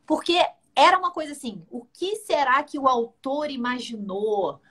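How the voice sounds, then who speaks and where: Guest voice: talkative Brazilian woman, husky and fairly high, keeps asking if you follow. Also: very animated, moderate pace, a bit bright. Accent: Brazilian Portuguese. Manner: talkative, keeps checking in with the listener. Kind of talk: casual conversational interview.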